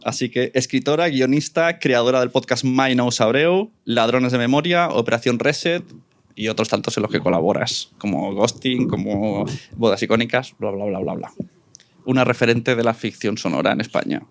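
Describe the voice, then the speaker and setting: A man's voice: mid-range voice, normal speed. A man with an accent from Spain moderating a live panel in an informal, joking, teasing way. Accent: Spanish from Spain. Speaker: event host and panel moderator. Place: live event venue with audience.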